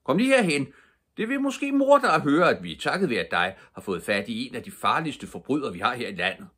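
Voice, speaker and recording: An older man booming as a hearty police commissioner. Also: expressive, bright, forceful tone, husky, full character voice. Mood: hearty, commanding. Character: loud, jovial, portly male police commissioner.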